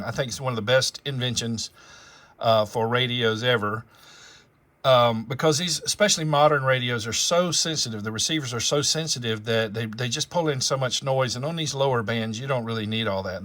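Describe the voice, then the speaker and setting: A man with a medium-pitched, slightly bright voice hosts an amateur radio channel, speaking a little fast. In casual vlog style, he rambles conversationally as he explains things, spelling out call signs and jargon.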